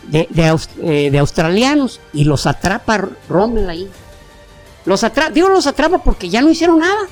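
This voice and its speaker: Animated Mexican podcast host, lively pitch. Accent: Mexican Spanish. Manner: animated, rambling, slangy with many restarts and fillers. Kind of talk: casual history storytelling.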